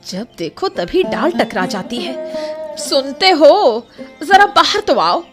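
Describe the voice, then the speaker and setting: A woman voicing a sharp-tongued, bossy village wife in a cartoon story, nagging and scolding. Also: high voice, very animated, takes it slowly, music in the background, exaggerated voice. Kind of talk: cartoon voice acting.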